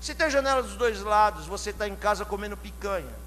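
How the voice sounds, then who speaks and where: A man from São Paulo with a São Paulo Portuguese accent, preaching a sermon, questioning the congregation and building to loud shouted climaxes. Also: high voice, animated, brisk. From São Paulo, Brazil. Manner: asks the congregation direct questions. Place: church hall. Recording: long hall reverb, faint hum.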